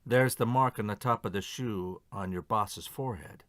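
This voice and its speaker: A man acting a methodical police inspector in an audio mystery play, measured and questioning. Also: lowish voice, a bit bright, no room sound, natural voice. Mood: probing, calm.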